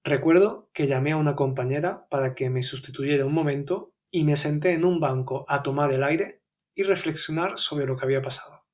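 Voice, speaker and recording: A young man with an Andalusian Spanish accent, hosting a language-learning podcast and telling a personal story in a clear, measured way. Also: a little high, a little mellow. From Andalusia, Spain. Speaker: podcast host and Spanish teacher.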